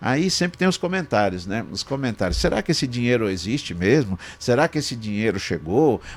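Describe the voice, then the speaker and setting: At a fairly quick pace, a man talks in a medium pitch with very wide pitch swings. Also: hardly any pauses. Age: 60s. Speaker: state legislator. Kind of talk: interview conversation. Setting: podcast studio.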